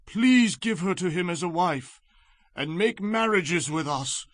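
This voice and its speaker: A formal tribal elder in a scripture audio drama. His voice is a little high, recorded very dry, and he speaks with measured deliberation. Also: lively intonation, no room sound. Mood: courteous, persuasive.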